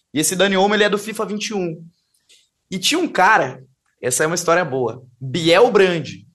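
A high-pitched man at a moderate pace with lively intonation. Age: 20s. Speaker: streamer and influencer. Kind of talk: casual chat.

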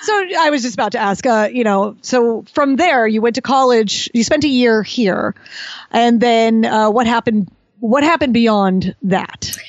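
With an American accent and a normal speaking voice, a woman talks at a moderate pace in a fairly high pitch, with ordinary pitch variation and very even loudness. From California. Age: 40s. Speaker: interviewer, athlete. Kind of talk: interview.

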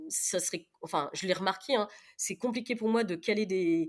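The background is silent on this very clean recording. The voice belongs to a woman. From western France, La Rochelle area. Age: 40s. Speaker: amateur triathlete. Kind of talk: interview. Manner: hesitant, many fillers.

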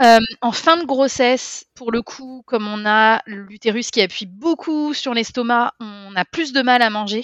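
A normal speaking voice from a woman, fairly high-pitched, with ordinary pitch variation. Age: 30s. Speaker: law lecturer and researcher. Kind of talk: casual interview.

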